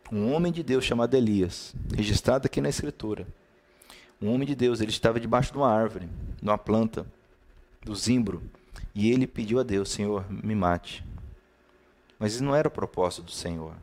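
A Brazilian-accented man leads a streamed devotional talk in a middle-pitched voice. His manner is easy and conversational. He lists key words one by one and greets viewers by name between points. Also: darkish tone. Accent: Brazilian Portuguese. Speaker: preacher.

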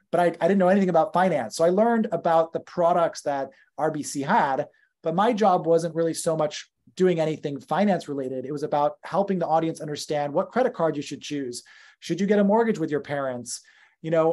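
A man's voice: a little high, darkish tone. A man in his thirties with a North American accent, telling his story as a guest on a casual podcast, chatty and full of fillers and restarts. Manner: conversational, with fillers and self-corrections. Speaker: podcast guest, company founder.

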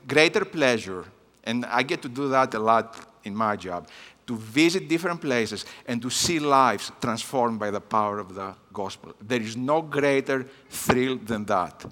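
A man of about fifty from Greece, speaking with a Greek accent as a native speaker, addresses a church conference as guest missions speaker in a personal talk thick with hesitant fillers. The voice is medium in pitch and sharp, echoing with the big-room sound of a church hall.

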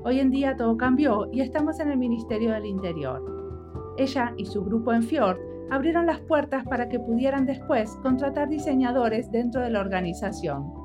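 A woman's voice: on the high side, expressive, moderate pace, music in the background. A woman hosting an interview, speaking in a friendly, conversational way. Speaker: podcast host.

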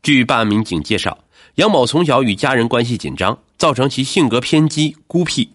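A man's voice: mid-range voice, animated, a little fast, fairly bright tone, dry recording, studio quality. A man reading scripted true crime narration as a dramatic storyteller in a news-report register.

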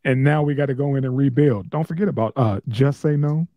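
A man's voice: mid-range voice, fairly quick, warm tone, no echo. Dry, laughing podcast co-host man. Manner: loose, laughing, profane banter. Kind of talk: casual chat.

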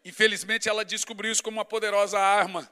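High, bright-voiced preacher man. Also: fast talker, clear, resonant tone. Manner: animated, humorous storytelling, swings from loud to hushed. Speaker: pastor. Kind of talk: sermon.

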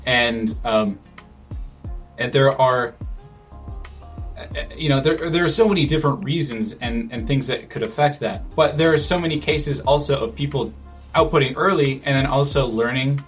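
A man speaks at an ordinary middle pitch in relaxed conversation, pausing and restarting as he works out his thoughts. Faint music plays softly behind him. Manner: thoughtful, with frequent restarts and fillers. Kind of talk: casual conversational chat.

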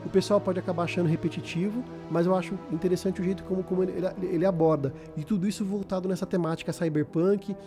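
Fast-talking Brazilian man, higher-pitched voice. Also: steady tone, over music. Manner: informal, slangy, repeats words while searching for phrasing. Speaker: podcast host. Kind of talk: casual chat about video games.

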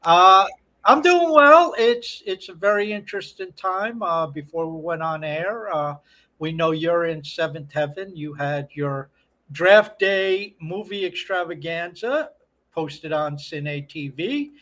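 A man's voice: on the high side, a little slow, a bit bright. A man from North America co-hosting a podcast, talking in a casual, conversational way. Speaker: podcast co-host. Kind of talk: casual chat.

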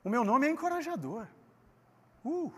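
Brief: preacher acting out a kind, steadfast mentor, high-pitched, reverb from a big hall. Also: male voice, very animated, moderate pace, breathy edge, full character voice. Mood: pleading. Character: gentle encouraging older man, mentor.

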